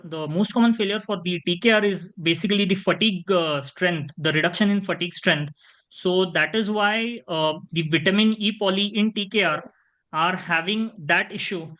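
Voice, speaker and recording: A man's voice: sits high, fairly bright tone, low-quality recording. A man from western India with a strong South Indian accent, giving technical explanations as a deferential presenter answering questions. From Maharashtra, India.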